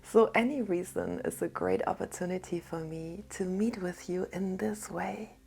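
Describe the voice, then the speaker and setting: A woman giving a gentle spiritual talk in a soft, half-whispered, calm voice. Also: fairly low pitch, creaky, faint music behind. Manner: calm and unhurried. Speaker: spiritual teacher.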